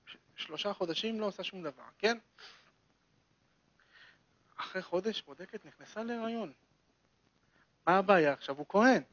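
A man's voice: high-pitched, long pauses, fairly bright tone, highs cut off. A man teaching a religious lesson to a small group, telling a story with emphatic repetition.

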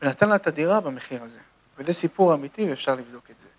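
A man telling an inspirational true story to listeners, animated and emphatic, speaking to them directly. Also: a little high, lo-fi sound.

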